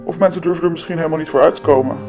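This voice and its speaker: A woman in her twenties playing an anonymous young woman who hesitantly confesses, her voice disguised by shifting it down deep. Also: racing. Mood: confessional. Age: 20s. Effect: voice disguised, pitched down deep. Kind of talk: confessional documentary interview. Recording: music playing underneath. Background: music.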